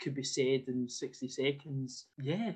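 A man speaks with a Scottish accent in a somewhat breathy voice. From Scotland, Ayrshire. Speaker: artist and folklore storyteller. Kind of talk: interview.

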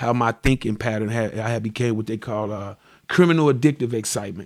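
A man at a medium pitch, on a very clean recording with a silent background. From Chicago. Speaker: recovery specialist, former prisoner. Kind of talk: interview, personal testimony.

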